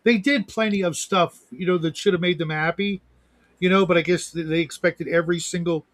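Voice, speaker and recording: A man's voice: high voice, fairly even intonation, brisk, fairly bright tone, no room sound. A man co-hosting a casual livestream chat, rambling and swearing with lots of restarts. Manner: rambling, profane, with frequent restarts. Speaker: co-host.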